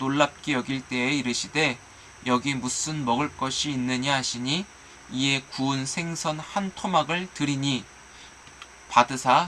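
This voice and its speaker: Noticeable background noise sits behind a man speaking at a very slow pace in a fairly high pitch. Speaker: pastor. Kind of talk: reading aloud; closing remarks.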